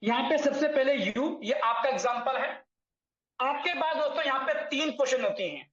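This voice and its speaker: An animated man with a very high, fairly bright voice presents an earning plan to viewers at a moderate pace. He frequently calls them friends and revises his own figures mid-explanation. It's recorded in an echoey room with dull, lo-fi sound.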